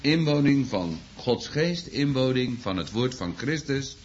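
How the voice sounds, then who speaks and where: A man's voice: medium pitch, lively intonation, unhurried, a little hiss or hum. A man preaching a sermon to his congregation, earnest and exclaiming, often repeating himself as he restarts sentences. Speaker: pastor. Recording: dull lo-fi recording.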